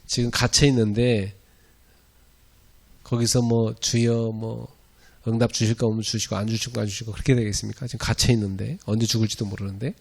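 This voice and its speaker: A middle-aged male pastor with a mid-range voice preaches a lively, conversational sermon, laughing often and erupting into loud shouted prayers.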